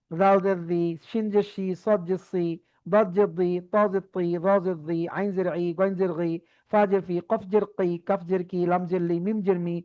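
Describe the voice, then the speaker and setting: A man teaching a Quran reading class, patiently saying each letter sound slowly and having the class repeat after him. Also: high voice. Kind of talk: online class lesson. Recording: dull lo-fi.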